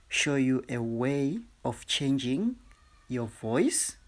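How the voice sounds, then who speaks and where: A man presents a tutorial as host, in a medium-pitched voice. He explains an app step by step to his viewers. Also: a little mellow.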